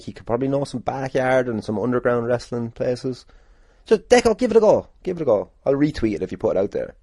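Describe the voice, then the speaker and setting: A man's voice: mid-range voice, warm tone, dry recording. A man hosting a casual solo podcast, rambling and sweary as he answers listener questions in a jokey way. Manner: rambling, sweary, jokingly boastful. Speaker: podcast host and wrestler.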